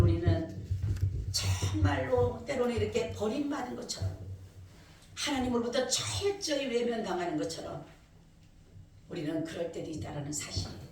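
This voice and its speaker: A higher-voiced woman pastor preaches an emotional testimony, telling her story with animated, rising intensity. She is heard from afar in an echoey church with a faint noise bed. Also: far from the mic. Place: church service.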